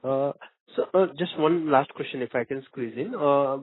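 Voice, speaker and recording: A man's voice: mid-range voice, normal speed, no room sound. A man, an analyst politely asking questions on a conference call. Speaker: financial analyst caller. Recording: dry narrowband phone line.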